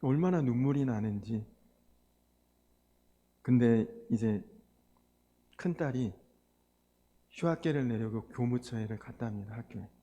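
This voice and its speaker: A man's voice: mid-range voice, measured pace, long pauses, mellow. A male pastor telling a story in his sermon, acting out the people in it. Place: church sanctuary. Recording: long church hall reverb.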